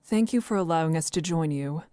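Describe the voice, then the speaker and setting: A woman's voice: low voice, lively intonation, brisk, mellow, no room sound, studio quality. An actress playing an earnest, protective woman traveler in a visual novel, speaking politely and resolutely.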